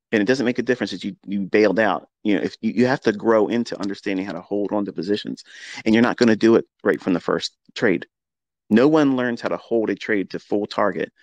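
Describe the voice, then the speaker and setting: A man with a low, gravelly voice teaches traders in a live audio-room session. He talks earnestly and repeats himself for emphasis, with a dry, close sound and no room around him. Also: dry recording. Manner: earnest, repetitive coaching with spoken asides. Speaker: trading mentor. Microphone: home microphone on a live audio stream.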